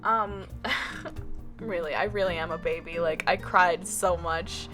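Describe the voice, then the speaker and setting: Speaking at a normal speed in a lowish voice, an artist vlogger shares a storytime about her day with music in the background. She mimics what others said and keeps the retelling animated. Her speech is full of "like" and small restarts.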